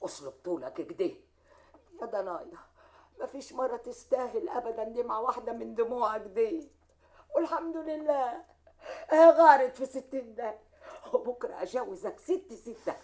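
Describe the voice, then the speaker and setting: An actress as a high-voiced pleading Egyptian mother. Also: fairly quick, darkish tone, lightly acted. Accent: Egyptian Arabic. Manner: pleading, then tenderly coaxing. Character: doting older mother of a grown son. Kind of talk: TV drama acting.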